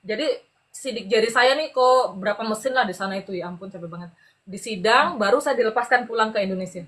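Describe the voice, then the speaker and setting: A middle-aged woman telling her personal story as a podcast guest in an animated, chatty way, laughing often and acting out the voices of the people she quotes. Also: mid-range voice, fast talker. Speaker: podcast guest giving a testimony. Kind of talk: conversational storytelling.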